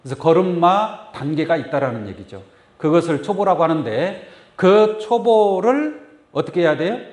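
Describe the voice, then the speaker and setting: Lively Korean man preaching in echoey church. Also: fairly high pitch, normal speed. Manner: asks the congregation many questions. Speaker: pastor. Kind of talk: sermon. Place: church sanctuary. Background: congregation saying amen.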